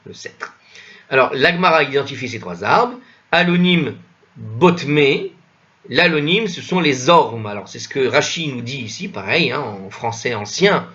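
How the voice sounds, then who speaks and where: A man's voice: medium pitch, a bit bright, lo-fi sound. Hesitant man reading and musing aloud. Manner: thinks aloud, hesitant, many self-corrections and asides; spells out Hebrew and Old French words slowly. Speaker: Talmud study teacher. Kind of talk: casual commented reading of a text.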